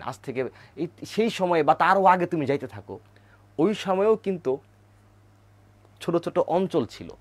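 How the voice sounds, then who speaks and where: A man teaches history from map slides, his somewhat high voice rising and falling a lot. He keeps repeating the key place names and asks his viewers to say them back. The recording is dry and close. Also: no room sound. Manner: repeats key words, quizzes viewers, has them chant names aloud.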